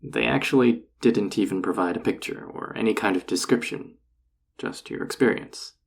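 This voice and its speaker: A man playing a flirty, encouraging enchanter boss in an intimate roleplay audio drama, teasing and reassuring in a husky, gravelly voice. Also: fairly low pitch, normal speed. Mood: playful, flirty.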